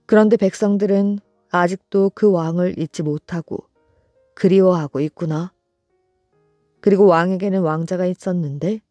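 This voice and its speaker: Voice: medium pitch, warm tone, no echo, lightly acted. A narrator voicing an anxious, ruthless older king who conquered a small country, in a bedtime storybook.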